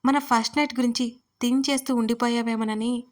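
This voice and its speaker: Woman reading as a smug bossy young boss, teasing and domineering, storybook romance figure, fairly high voice. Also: steady tone, a little fast, lightly acted.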